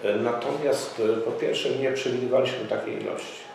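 A middle-aged man speaks at a press conference in a formal, insistent way, often pausing with fillers. He sits in an office room, picked up by a camera mic set well back. The room is strongly echoey, with faint ambient noise behind him. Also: medium pitch, fairly even intonation, darkish tone, recorded from a distance. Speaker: local party representative. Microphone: far camera mic.

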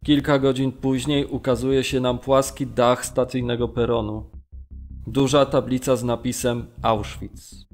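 A sombre male prisoner voiced by an actor tells his account in a mid-pitched, flat tone. The delivery is measured and descriptive, with light music behind it. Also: natural voice. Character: male Polish prisoner recounting a train journey, sombre. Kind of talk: scripted documentary radio-drama narration.

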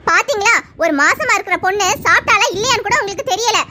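A woman's voice: very high voice, animated, fast, exaggerated voice. A woman voicing a lecturing cartoon doctor. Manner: lecturing, scolding kindly. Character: calm advising doctor. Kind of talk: cartoon voice acting. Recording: loud background noise.

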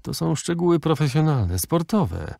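A man reading an audiobook, voicing a proud, disdainful old lady who speaks stiffly and slowly. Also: fairly high pitch, very animated, creaky, darkish tone, no echo, clean studio sound, voice pushed up, full character voice. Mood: explaining.

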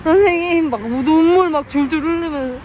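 A woman's voice: high-pitched, normal speed, darkish tone, faint music behind. A woman vlogging casually, whining and laughing at herself as she complains. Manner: whiny and self-mocking, laughing through complaints. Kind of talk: casual vlog chat. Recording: noisy street background.

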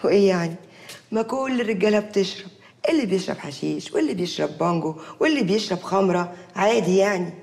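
A middle-aged actress with an Egyptian accent playing a blunt, dismissive aunt who talks brusquely. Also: female voice, medium pitch, lively intonation, fast talker, vocal fry, a little mellow. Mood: brushing off. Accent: Egyptian Arabic. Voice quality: brusque, offhand. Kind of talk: TV drama acting.

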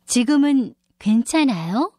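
A woman reading short questions in a scripted listening-test dialogue with a clear, questioning delivery. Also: fairly high pitch, lively intonation, measured pace, warm tone, dry recording, clean studio sound. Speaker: dialogue reader on a Korean listening exam.

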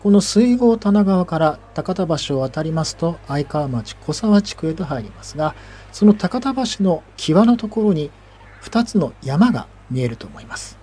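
A man hosting and narrating local history in a measured, explanatory manner. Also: on the high side, lively intonation, warm tone, breathy edge. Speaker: host and narrator.

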